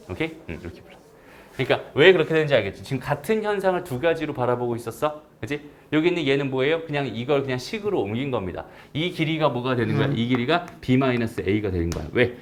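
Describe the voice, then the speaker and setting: A man teaching a recorded math lecture in a casual way, often checking understanding with quick tag questions. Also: medium pitch, slight background noise.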